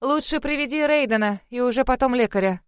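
A woman's voice: sits high, brisk, clear, resonant tone, dry recording, studio quality, natural voice. Woman as a firm, decisive fox woman. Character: serious red-haired fox woman with seven tails.

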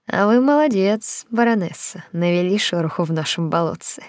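Woman reading as a poised older court lady, unhurried and a bit smug, dry close sound. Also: lowish voice, animated, darkish tone, no echo, lightly acted. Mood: approving. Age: 50s. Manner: measured, slightly gloating.

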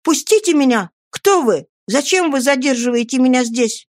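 A woman plays a small, frightened orphan boy with a thin, very high voice that strains when he calls out. It is recorded close and completely dry. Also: fairly quick, no room sound, close to an everyday voice. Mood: protesting. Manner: frightened, crying out for help.

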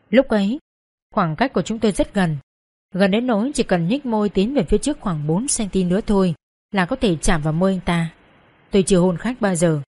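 A woman narrating a first-person story in a steady, plain reading voice. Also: mid-range voice.

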